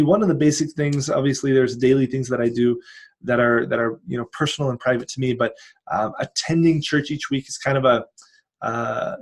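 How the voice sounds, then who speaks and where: Encouraging man talking casually to viewers. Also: mid-range voice. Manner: earnest, encouraging, conversational. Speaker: online coach and channel host. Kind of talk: casual monologue recapping personal goals.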